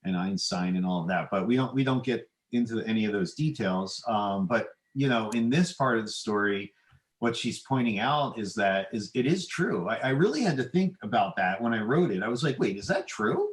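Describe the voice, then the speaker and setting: A middle-aged man, an author guesting on a podcast, explaining his ideas in a halting, thoughtful, conversational way. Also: on the low side, lively intonation. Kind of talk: conversational interview answers.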